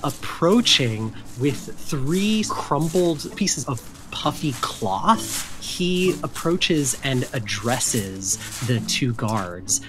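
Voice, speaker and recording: A woman narrating scenes as game master in an audio drama, with deliberate storytelling. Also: extremely low pitch, sing-song, rough recording.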